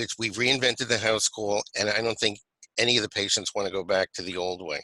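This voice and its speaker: Fairly quick speech from a man with a New Jersey accent, fairly low in pitch, bright and sharp in tone, fairly even in intonation, with a dry, close sound and no echo. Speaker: physician. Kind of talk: webinar comment.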